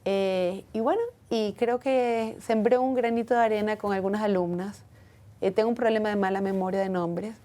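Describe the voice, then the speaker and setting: A woman's voice: mid-range voice, fairly even intonation, moderate pace, warm tone. A woman speaking earnestly and reflectively as a guest in a personal interview. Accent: foreign accent when speaking Hebrew. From from outside Israel.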